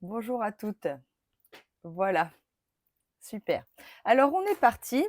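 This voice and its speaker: Recorded very cleanly, with a silent background and a dry, close sound with no echo, a woman speaks at a fairly high pitch with very wide pitch swings. Her pace is very slow, with long, frequent pauses. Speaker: crafting demonstrator. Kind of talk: craft tutorial live stream. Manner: hesitant, many fillers.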